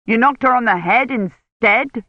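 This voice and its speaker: A worried, protective older academic man, voiced by a woman reading a novel, sharp and reproachful. The recording is dry and close, with a slightly dull, lo-fi sound. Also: fairly high pitch, a little slow, dry recording, pitched above the performer's own voice. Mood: angry. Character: protective older male Oxford don, anxious.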